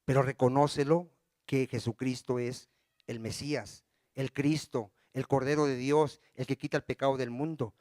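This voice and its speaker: A man's voice: medium pitch, fairly even intonation, a little mellow, no echo, studio quality. A male pastor preaching a sermon. He reads scripture aloud and keeps stopping mid-verse to fire questions at his congregation. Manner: quizzes the congregation with rapid questions.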